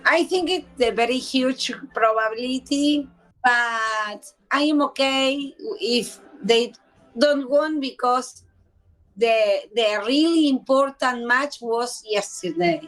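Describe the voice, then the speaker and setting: A woman's voice: a little high, slow pace, fairly bright tone, poor audio. A woman from Argentina with an Argentine accent, chatting bluntly and teasingly with a stranger on a video call. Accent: Argentine Spanish. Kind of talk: casual video chat.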